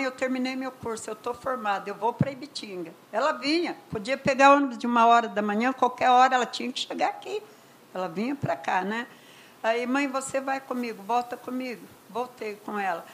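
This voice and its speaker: An older woman with a Brazilian accent, telling a personal story as a mother in an emotional, conversational way, often trailing off softly. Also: sits high, brisk, a little hiss or hum, rough recording. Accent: Brazilian Portuguese. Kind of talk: personal testimony.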